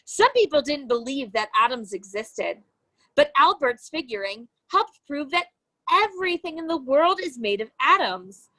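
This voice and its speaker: A woman with a high voice reads a picture book to young children. Her delivery is very animated, rising and falling widely in pitch. She phrases each sentence deliberately and leans on the key words like an educator telling a story. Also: rough recording. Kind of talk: children's storybook read-aloud.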